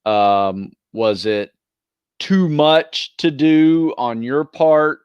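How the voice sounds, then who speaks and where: A man co-hosting a podcast in casual chat, easygoing and a bit halting as he talks. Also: on the high side, a little mellow, clear, resonant tone, no echo, muffled recording. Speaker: podcast co-host and fitness group trainer.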